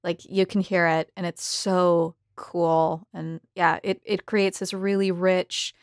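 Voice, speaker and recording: A woman's voice: lowish voice, little pitch movement, slow pace, clean tone, dry recording, studio quality. A woman hosting a podcast in a casual, conversational style, reading questions and addressing listeners. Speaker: podcast host.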